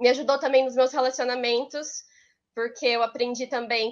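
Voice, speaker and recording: This woman speaks with a high pitch. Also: quiet background. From Brazil, Londrina, Paraná. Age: 20s. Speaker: teacher. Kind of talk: testimony. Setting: live stream. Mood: emotional, grateful, smiling. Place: home room. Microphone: headset.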